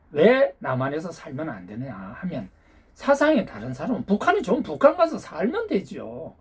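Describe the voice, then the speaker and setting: A man delivers a ranting political monologue to his viewers, scolding them and constantly demanding answers with rhetorical questions. His voice is husky and sits a bit high, leaping up and down with lively, animated pitch. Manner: peppers talk with challenging rhetorical questions; lecturing, hectoring tone toward listeners. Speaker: YouTube channel host.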